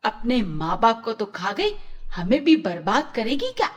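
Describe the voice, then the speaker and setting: A woman voicing a cruel, scornful aunt who scolds loudly in a storybook cartoon. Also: a little high, big pitch swings, measured pace. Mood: angry, scolding. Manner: shouting, harsh scolding.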